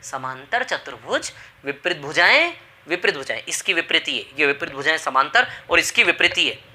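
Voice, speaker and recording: A man's voice: on the high side, very animated, brisk, sharp tone. A man teaching a maths lesson with a Hindi accent, repeating key phrases and checking that students follow. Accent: Indian Hindi. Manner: repetitive, emphatic, asks for understanding. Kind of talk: classroom lesson.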